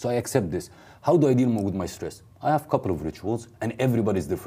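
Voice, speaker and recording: In an Arabic accent, the speaker moves at a fairly quick pace with lively intonation and a dark, mellow tone, in a very clean recording with a silent background. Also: man. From Egypt. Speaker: success coach and entrepreneur. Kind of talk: interview. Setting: studio.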